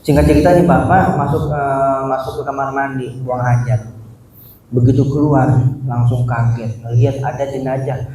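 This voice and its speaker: A man's voice: mid-range voice, level tone, normal speed, warm tone, distant mic. A man preaching an Islamic study sermon, telling a story and acting out the characters' lines. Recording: echoey hall, mic from afar, faint noise.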